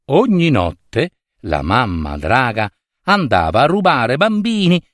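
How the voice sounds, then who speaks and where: A man narrating a spooky fairy tale, unhurried and lingering on each phrase. His voice rises and falls with great animation, and the recording is close and dry. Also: mid-range voice, dry recording. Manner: slow, dramatic, richly expressive. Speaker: storyteller.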